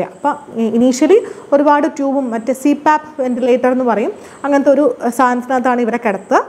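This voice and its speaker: A woman's voice: on the high side, a little mellow. A woman telling her own birth story in a casual vlog, chatty and freely mixing English words into her speech.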